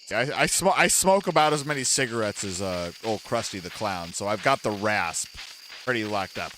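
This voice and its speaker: A man streaming a co-op farming game, chatting casually and joking, sometimes bursting into loud shouts. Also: fairly low pitch, normal speed. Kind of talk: casual co-op gaming chat. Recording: steady background noise.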